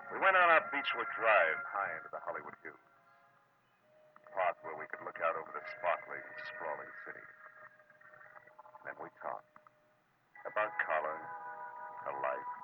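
An American man acting a wry, world-weary private detective in a terse, hard-boiled 1940s radio drama style. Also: sits low. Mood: reflective. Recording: muffled, noisy vintage radio recording.

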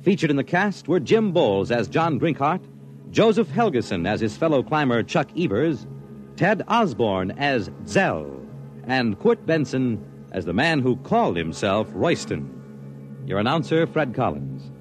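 A man speaking as a 1950s radio announcer, giving credits in a formal, crisp delivery on an old broadcast recording. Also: medium pitch, sing-song, a little slow, faint music behind.

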